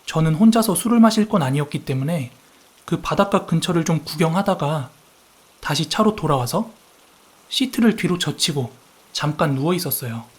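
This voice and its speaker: A man narrating a first-person horror story in a soft, steady storytelling tone. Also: on the high side, normal speed, husky. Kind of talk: calm scripted horror narration.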